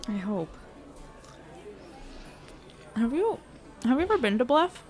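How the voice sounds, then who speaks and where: A woman's voice: a little high, sing-song, takes it slowly, over music. An actress playing a caring, curious young woman chatting with friends in an audio drama, casual and a little hesitant. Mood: concerned, curious. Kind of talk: acted dialogue in an audio drama podcast.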